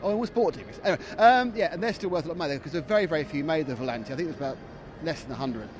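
At a very fast pace and with big swings in loudness, a man with a southeast English accent talks in a fairly high pitch with very wide pitch swings. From Kent, England. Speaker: motoring co-host. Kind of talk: casual walkaround chat. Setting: exhibition hall at car show.

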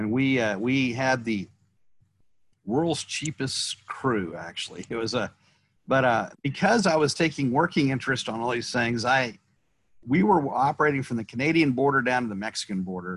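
Lively in intonation, a man speaks at a medium pitch and moderate pace. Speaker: oil and gas data entrepreneur. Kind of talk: interview. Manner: halting.

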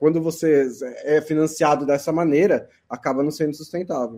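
A man with a fairly high pitch speaks at a fairly slow pace in an unremarkable speaking voice. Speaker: podcast host. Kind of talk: casual chat.

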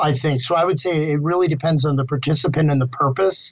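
A man's fairly high voice, somewhat breathy, at a fairly quick pace with fairly even intonation. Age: 40s. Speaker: therapist and charity director. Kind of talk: interview.

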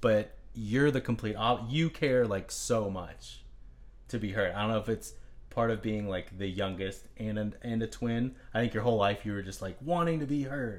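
A man speaks quietly. His pitch varies in an ordinary way. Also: medium pitch for a man, moderate pace. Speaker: podcast co-host. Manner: quiet, reserved.

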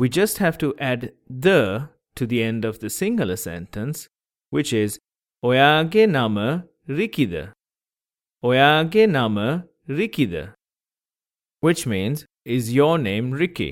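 Pausing long and often, a man speaks at a very slow pace with very wide pitch swings on a very clean recording with a silent background. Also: medium pitch for a man. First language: Sinhala. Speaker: language teacher. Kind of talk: tutorial.

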